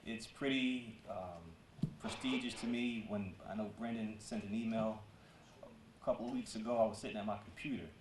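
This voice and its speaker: A low-voiced man, a school principal, speaks at an awards ceremony in a relaxed, conversational way, scattering fillers as he goes. The sound echoes around a large room. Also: normal speed, background noise. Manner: conversational speech with many "um"s and "you know"s. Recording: echoey hall.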